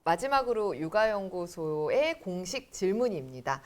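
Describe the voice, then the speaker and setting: A woman host with smooth announcer delivery, introducing a service and then asking questions. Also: lowish voice, very animated, moderate pace. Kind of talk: interview, scripted product intro.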